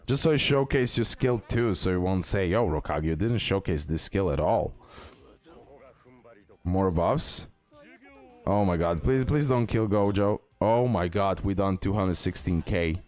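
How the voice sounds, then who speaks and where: A man giving casual, excitable gameplay commentary, repeating words and talking straight to his viewers. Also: sits low, unhurried. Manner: excitable, repetitive, addresses viewers directly. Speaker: gaming content creator, host. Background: music.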